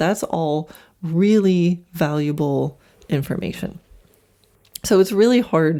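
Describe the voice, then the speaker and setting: A dark, mellow tone with ordinary pitch variation. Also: woman. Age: 60s. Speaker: podcast host and horse trainer. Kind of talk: casual solo podcast talk. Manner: conversational, with many fillers.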